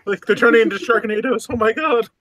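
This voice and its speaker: A man in his mid twenties co-hosting a casual watch-along, playful and teasing with quick wisecracks. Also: very high voice, pushed and bright, dry recording. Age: 20s. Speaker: co-host.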